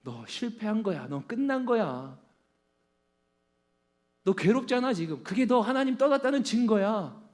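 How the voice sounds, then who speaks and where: A man's voice: sits high, sing-song, moderate pace, pauses often. A man voicing a male devil who mockingly jeers at and accuses the listener. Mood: sneering. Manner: mocking, contemptuous jeering.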